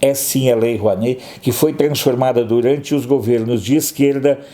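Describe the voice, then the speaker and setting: A man's voice: medium pitch, fairly even intonation, normal speed, dark tone. A man commentator reading through newspaper headlines and adding sarcastic, opinionated asides. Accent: Brazilian Portuguese. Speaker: news commentator.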